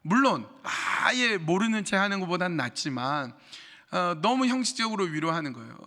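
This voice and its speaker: A man's voice: sits high, sing-song, moderate pace, pushed and bright, long reverb tail. A middle-aged pastor preaching a sermon to his congregation, speaking to them directly with rhetorical questions and acting out other people's words in changed voices. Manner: acts out quoted speech in changed voices. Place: church sanctuary.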